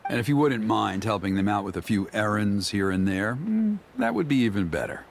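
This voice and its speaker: An actor voicing a smooth-talking, flattering tribal ceremony organiser in a video game, genial, persuasive and theatrical. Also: male voice, fairly low pitch, a little fast, a little hiss or hum. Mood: persuasive, encouraging. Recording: music behind the voice. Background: game music.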